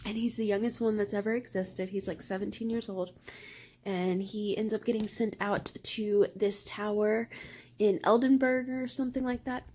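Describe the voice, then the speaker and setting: A woman's voice: mid-range voice, fairly even intonation, moderate pace, a little mellow. A young woman chatting casually at home in a book vlog, gushing, giggly and swearing freely. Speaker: book vlogger. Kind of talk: casual chat.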